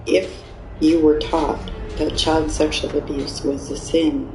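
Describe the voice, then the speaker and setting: A former Amish speaker, a native speaker of Pennsylvania Dutch, explains things in a slow, deliberate, measured way. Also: medium pitch, little pitch movement. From Amish settlements in the US. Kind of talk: earnest explanatory talk. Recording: echoey room with music underneath.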